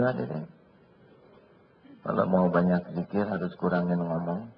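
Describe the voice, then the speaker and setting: A man preaching to a live congregation, animated, with sudden quick voices for the people he describes and a soft hush when he prays. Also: deep voice, creaky, slight background noise. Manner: animated, acts out husbands, bosses and debtors in quick voices; drops to a soft hush for prayers. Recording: dull lo-fi sound.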